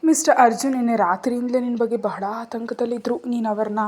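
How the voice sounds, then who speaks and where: A woman's voice: fairly high pitch, fairly even intonation, fast, warm tone, slight background noise, lightly acted. Woman reading as a friendly hospital nurse. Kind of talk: storybook narration.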